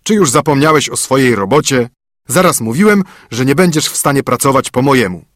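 A man voicing a grumbling, angry older father in a storybook reading, with loud, gruff, husky scolding. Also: mid-range voice, expressive, brisk, no echo, clean studio sound, voice pushed up.

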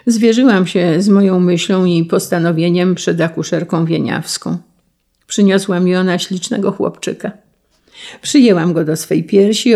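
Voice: medium pitch, creaky, mellow. A reader voicing a noble countess and mother confessing before the judges, in a solemn, emotional audiobook reading. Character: grieving noble countess, mother, testifying in court.

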